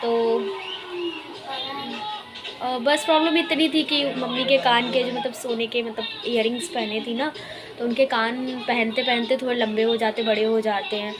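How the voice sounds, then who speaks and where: A woman's voice: on the high side, steady tone, normal speed, over music. A young woman vlogging outdoors in a rainy park, talking defiantly to camera about negative commenters. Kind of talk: casual vlog talk to camera.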